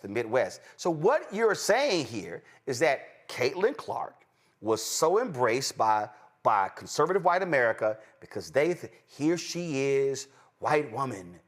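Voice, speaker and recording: A man with a Texan accent hosting political commentary, emphatic, jumping between high exclamations and low asides. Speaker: host.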